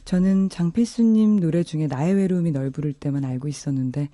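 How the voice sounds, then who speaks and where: A woman speaks as a music guest on a radio show. Her tone is very dark and warm, heard close and dry in a studio. She talks softly and politely, reflecting on songs with open appreciation. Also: low voice, brisk, dry recording. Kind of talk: soft conversational music talk. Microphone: close studio microphone.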